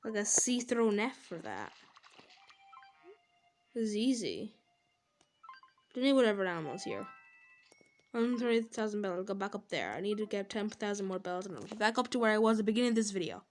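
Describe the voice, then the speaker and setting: A woman talking casually over her gameplay as a gaming channel host, chatty and rambling, quick to laugh and exclaim. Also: medium pitch, expressive, faint music behind.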